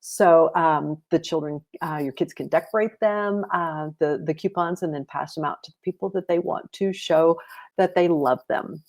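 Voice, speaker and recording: A woman's voice: low-pitched, moderate pace, darkish tone. A woman hosting a children's storytime, reading aloud and explaining things to parents. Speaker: storytime host and reader.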